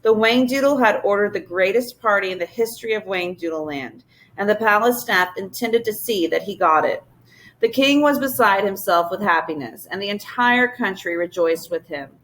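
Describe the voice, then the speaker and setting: Teacher narrator, woman, mid-pitched: steady, expressive read-aloud of a children's book. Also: moderate pace, rough recording. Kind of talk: reading a children's novel aloud.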